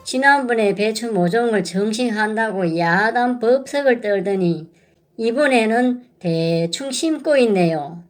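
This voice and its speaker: A woman's voice: medium pitch, a little mellow. Grumbling woman farmer narrating. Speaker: home farmer vlogger. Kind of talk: casual narrated farm vlog. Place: outdoor vegetable field.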